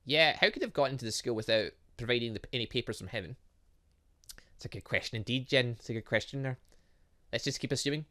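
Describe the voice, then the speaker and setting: A man doing lively let's-play commentary as a gaming video host, exclaiming and talking to the game's characters. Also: mid-range voice, fast talker. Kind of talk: lively let's-play commentary, reading game dialogue aloud.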